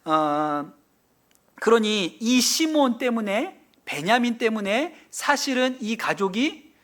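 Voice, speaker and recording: Lively high-voiced pastor preaching. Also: male voice, slow. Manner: storytelling preacher, asking the congregation questions and acting out quoted lines. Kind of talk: sermon. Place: church sanctuary.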